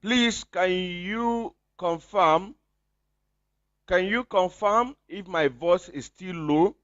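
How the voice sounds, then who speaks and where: A man's voice: high-pitched, slow, a bit bright, no room sound, dull audio. A man with a Nigerian accent giving impassioned livestream commentary, hammering points with repeated rhetorical questions. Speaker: activist livestreamer.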